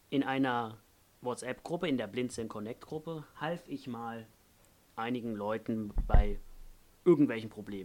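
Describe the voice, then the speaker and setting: At a fairly slow pace, the speech has long, frequent pauses and big swings in loudness. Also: man. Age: 20s. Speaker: volunteer tech team member. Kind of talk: pre-recorded self-introduction. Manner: casual.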